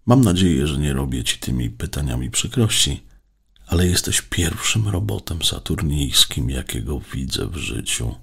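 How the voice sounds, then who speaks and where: A man's voice: rumbling low, big pitch swings, normal speed, gravelly, a bit bright, husky, exaggerated voice. A man voicing a cheerful, teasing teenage boy who is a little nervous. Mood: playful. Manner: playful, teasing.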